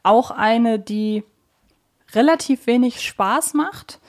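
A woman's voice: on the high side, slow. Reflective woman podcaster. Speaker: podcast co-host. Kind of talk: casual conversational podcast discussion.

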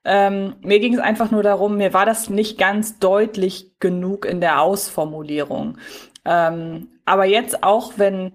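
A woman co-hosting a podcast in casual discussion, explaining things in a deliberate manner. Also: mid-range voice, steady tone. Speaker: podcast co-host.

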